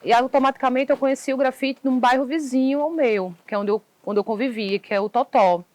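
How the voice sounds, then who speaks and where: A woman's voice: high voice, fairly quick, a little mellow. Pernambuco woman, thoughtful and hesitant. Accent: Pernambuco Portuguese. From Recife area, Brazil. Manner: thoughtful, many restarts and "né". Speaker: graffiti artist guest. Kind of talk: casual interview answers. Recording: faint background noise.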